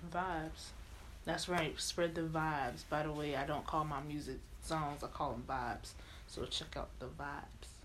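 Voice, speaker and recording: Audible room echo surrounds the recording. A woman talks at a moderate pace. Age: 20s. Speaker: rapper and producer. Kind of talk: casual chat.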